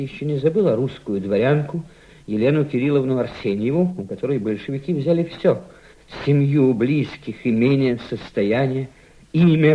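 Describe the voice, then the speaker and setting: An actor in a Russian radio drama playing an embittered, fervent White émigré conspirator, theatrical, insistent and persuasive. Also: male voice, mid-range voice, close to an everyday voice. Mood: fervent, bitter. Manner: theatrical, insistent, emphatic repetition. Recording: dull, lo-fi old radio play recording.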